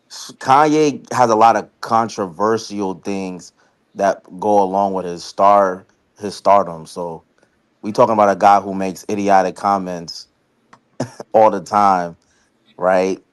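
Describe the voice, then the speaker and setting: Caller guy, lowish voice, blunt, arguing back at the host. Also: steady tone, measured pace, clear, resonant tone. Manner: argumentative, blunt. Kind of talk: casual debate.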